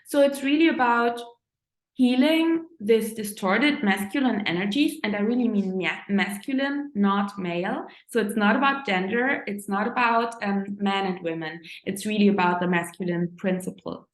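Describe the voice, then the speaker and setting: In an echoey room, a woman astrologer speaks with a medium-pitched voice, offering reflective spiritual thoughts. She is a native German speaker with a German accent and stops at times to find her words.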